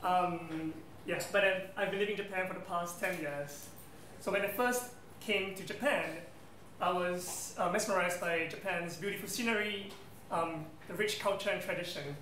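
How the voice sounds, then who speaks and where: A man's voice: sits high, moderate pace, sharp tone. A man from Singapore in his thirties, giving a presentation to an audience in an event room with many ums and friendly asides. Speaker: guest speaker. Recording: roomy hall sound, faint noise.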